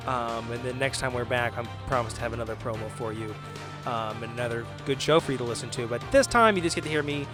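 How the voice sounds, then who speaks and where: A man's voice: mid-range voice, fast. A man, the podcast host, casually addressing listeners in a rambling way with fillers. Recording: music bed behind voice.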